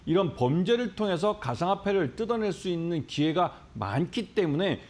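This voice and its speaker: Male analyst guest, slightly raised pitch, earnest long explanations. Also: very animated, normal speed, darkish tone. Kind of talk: explanatory commentary.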